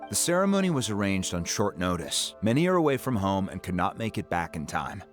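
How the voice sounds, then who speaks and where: A man's voice: low-pitched, very animated, a little fast, soft background music. A man voicing a dignified, patient tribal chief in a video game, speaking in a stately, formal way. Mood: patient, firm. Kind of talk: video game character acting.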